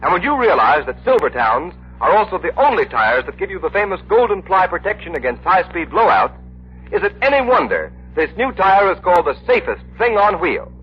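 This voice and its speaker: A man's voice: high voice, very animated, brisk, husky. A male radio announcer reading in the persuasive, emphatic style of 1930s radio. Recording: dull old radio broadcast.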